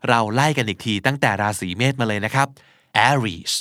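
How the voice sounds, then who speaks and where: A man's voice: mid-range voice, moderate pace, bright, forceful tone, dry recording, clean studio sound. A man with a Thai accent, hosting a pronunciation lesson and spelling English words out letter by letter.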